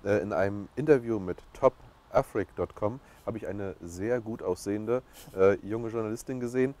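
A man's voice: lowish voice, moderate pace, darkish tone. A man in his thirties asking questions as interviewer in a casual sit-down talk. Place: open-air terrace by a training pitch. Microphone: lapel mic.

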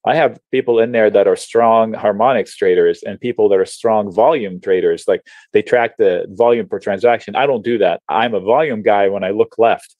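A man from Lebanon, an options trading educator, explaining charts on a video call in a chatty, animated way with slang and frequent restarts. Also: fairly low pitch, normal speed, no echo, highs cut off. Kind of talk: casual webinar explanation while sharing charts.

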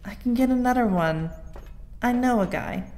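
A woman's voice: a little high, moderate pace, a little mellow, natural voice. A woman playing a practical, kind teenage girl hero in an audio drama, casual and reassuring.

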